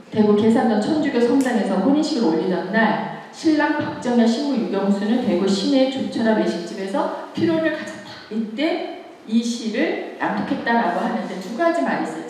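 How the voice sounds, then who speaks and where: A woman in her sixties giving an earnest, emotive public lecture with expressive recitation and conversational asides to her listeners. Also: medium pitch. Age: 60s. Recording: echoey hall, distant mic, background noise.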